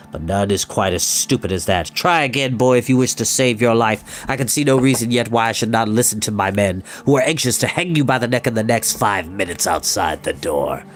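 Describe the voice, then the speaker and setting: A man's voice: mid-range voice, voice pushed down, close to an everyday voice. A man voicing a stern, proud Welsh rebel prince who speaks coldly and threateningly in a storybook reading. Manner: cold, grim, threatening.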